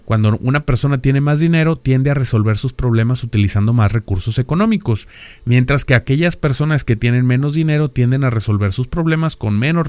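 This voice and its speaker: A middle-aged Mexican man with a northern accent talks through a podcast topic like a lecturer, pausing on rhetorical questions. His voice sits at an ordinary middle pitch and is recorded close and dry, with no room sound around it. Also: a little mellow, no echo. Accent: Mexican (northern, Monterrey). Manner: lecturing, peppered with rhetorical questions and tag "¿verdad?". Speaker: podcast host. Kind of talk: explanatory podcast monologue.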